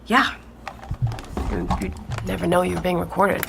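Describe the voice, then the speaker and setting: Granddaughter telling her story in a podcast drama, low creaky voice, halting, bit of background noise. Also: steady tone. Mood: animated, candid. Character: shaken woman recounting her grandfather's secret tapes. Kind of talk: naturalistic audio drama, interview-like.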